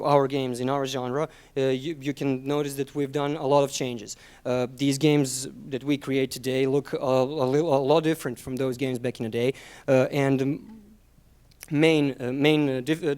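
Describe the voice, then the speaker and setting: A young man with a Serbian accent gives a conference presentation, speaking haltingly with frequent ums and repeated words. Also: medium pitch, darkish tone, clean tone. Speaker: conference speaker, junior game designer.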